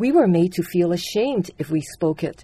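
Her tone is dark and mellow, somewhat breathy. This woman's intonation is lively. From Hawaii, Kalihi-Palama, Honolulu. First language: Hawaiian Pidgin. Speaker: health writer. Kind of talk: scripted narration; reading aloud in Pidgin.

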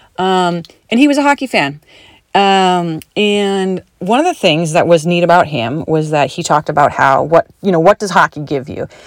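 A woman with an unremarkable speaking voice and a Canadian accent talks at a moderate pace with lively intonation and fairly low pitch, in a dry, close sound with no echo. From Canada. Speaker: sports podcast host. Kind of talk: solo podcast commentary. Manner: casual, filler-heavy.

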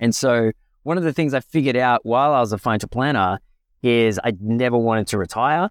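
A man with an Australian accent talks at a very fast pace and medium pitch, with ordinary pitch variation. His loudness stays very even, and the sound is dry and close with no echo. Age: 40s. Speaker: tech company CEO, former financial planner. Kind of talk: podcast interview. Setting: studio.

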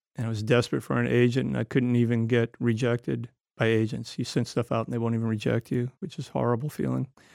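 On a very clean recording with a silent background, a man speaks with a Southern US accent. His pitch is medium, his pace fairly quick and his intonation fairly even. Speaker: novelist. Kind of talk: author interview.

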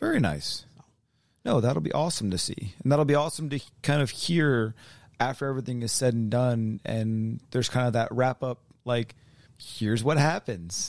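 A man speaks at a moderate pace and medium pitch with ordinary pitch variation, in a plain, everyday voice. The recording is very clean, with a silent background. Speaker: guest, tabletop wargame hobbyist. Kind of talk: casual interview.

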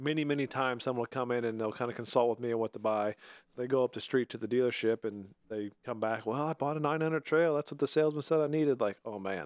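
On a very clean recording with a silent background and a dry, close sound with no echo, a man with an American accent speaks very fast in a medium pitch with ordinary pitch variation. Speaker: powersports shop owner and mechanic. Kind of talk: casual chat.

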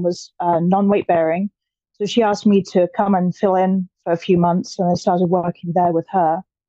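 In an English accent, the speaker delivers each line in a monotone, flat intonation. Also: woman. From England. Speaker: physical therapist and clinic owner. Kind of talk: casual interview chat.

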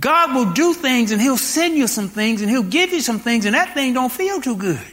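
Projected and raised, the man's voice sounds bright and sharp at an extremely high pitch. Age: 60s. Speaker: preacher. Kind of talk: sermon.

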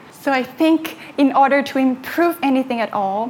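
A woman speaks in a Thai accent. Noticeable background noise runs underneath. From Bangkok, Thailand. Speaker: student. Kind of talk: recorded answer to interview questions.

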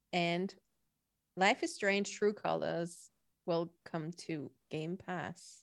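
Her fairly low voice holds fairly even intonation as the woman moves at a very slow pace with long, frequent pauses, on a very clean recording with a silent background. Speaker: streamer and podcaster. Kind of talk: casual chat. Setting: live stream.

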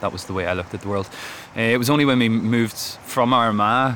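A man with a Northern Irish accent, fairly quick pace and ordinary pitch variation, over noticeable background noise. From Northern Ireland. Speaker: folk musician, piper. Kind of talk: casual interview chat. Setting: outdoors by a river.

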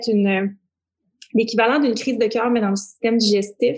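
Her intonation stays monotone and flat. The voice belongs to a woman. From Quebec, Estrie. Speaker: communications agency founder. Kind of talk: interview.

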